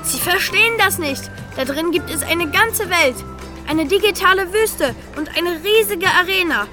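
Small brave train, very high childlike voice, plucky, earnest, kids' radio play, music behind. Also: female voice, lively intonation, moderate pace. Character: brave little talking train, young, loyal and plucky. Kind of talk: children's audio drama acting. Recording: loud music under the voice.

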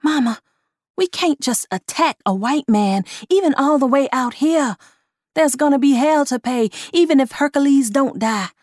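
A woman's voice: fairly high pitch, very animated, measured pace, hardly any pauses, dry recording, studio quality, voice pushed up. A woman voicing a frightened young fortune-teller from Tennessee, raised and pleading.

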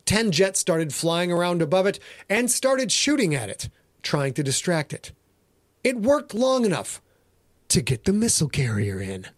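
A man's voice: sits high, big pitch swings, normal speed, no room sound, studio quality. A middle-aged American man giving a theatrical, mock-serious dramatic reading of a story as its narrator. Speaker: author and narrator.

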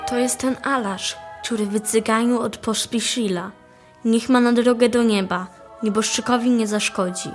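Girl actor doing earnest poor kid in a radio play, highish voice, soft music behind. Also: steady tone, moderate pace, natural voice. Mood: solemn. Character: earnest poor child of a mining town.

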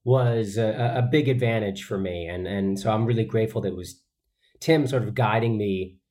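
A man's voice: on the low side, moderate pace, a little mellow. A man, an actor, answering interview questions in an earnest, chatty way, with many fillers and restarts. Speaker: actor guest.

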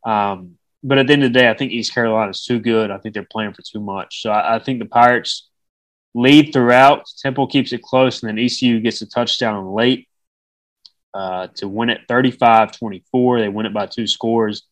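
On his sports podcast, a man with a slightly nasal, mid-range voice talks casually through opinions and game predictions in a steady tone at a moderate pace. The recording is low quality, though without echo.

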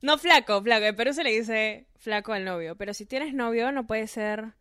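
A woman's voice: fairly high pitch, moderate pace, a bit bright, no room sound, studio quality. A woman from Peru hosting a podcast in a playful, gushing, chatty way. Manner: playful, piles on gushing compliments. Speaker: podcast host. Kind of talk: casual podcast chat.

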